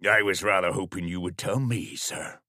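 A man voicing a smug police sergeant who speaks in a formal, pompous, measured way. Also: sits low, pushed and bright, no echo, clean studio sound.

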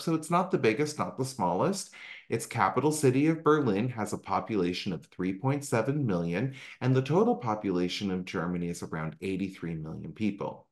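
A middle-aged man from Canada, a travel advisor giving an upbeat, conversational slideshow talk over a video call. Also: mid-range voice. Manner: upbeat, conversational, frequent ums and asides. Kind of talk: informal slideshow presentation. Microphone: video call microphone.

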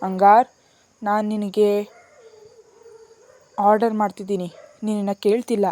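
A woman's voice: medium pitch, little pitch movement, a little slow, dark tone, lightly acted. A woman reading a storybook aloud and voicing a harsh, strict father who barks orders. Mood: commanding. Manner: commanding and harsh.

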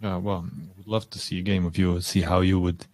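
A man in his thirties hosting a podcast, asking quick, friendly questions into a headphone mic in a small room. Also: sits low, level tone, darkish tone, no room sound. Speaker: podcast host. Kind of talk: casual interview questions.

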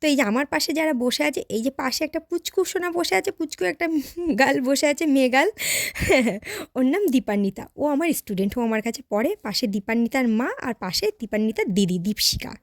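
A woman's voice: sits high, expressive, a little fast, no room sound, studio quality. A young adult woman narrating her day as a vlogger, chatty and speaking straight to her viewers. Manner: chatty, addresses viewers directly. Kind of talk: casual vlog narration.

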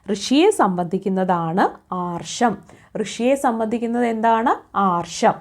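A woman's voice: fairly high pitch, measured pace. Woman as an exam coach, drilling quiz answers by repetition and rhetorical questions. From Kerala.

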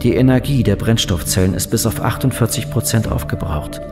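A man voicing a calm, polite ship computer in a science fiction audio drama, speaking in a measured, formal way. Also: on the low side, music in the background, close to an everyday voice. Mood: calm, factual. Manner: measured, formal, matter-of-fact delivery.

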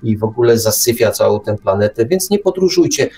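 A talk show host runs an opinionated radio discussion, firing rhetorical questions straight at his listeners. His medium-pitched voice is animated and brisk, heard over a noisy crowd with music playing beneath the talk.

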